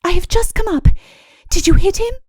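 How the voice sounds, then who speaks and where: A woman voicing a young princess in an audiobook fairy tale, exclamatory and reproachful toward her royal father, with drawn-out emphasis. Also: very high-pitched, darkish tone, no room sound, clean studio sound, voice pushed up. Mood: excited, reproachful.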